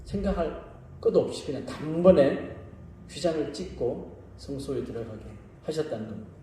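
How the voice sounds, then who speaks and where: A male pastor gives a sermon in a very echoey church, and he sounds a little distant from the mic. His voice is somewhat high but dark and mellow. He moves between hushed, dropping phrases and raised, emphatic questions to his listeners. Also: lively intonation, moderate pace, a little hiss or hum. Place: church sanctuary.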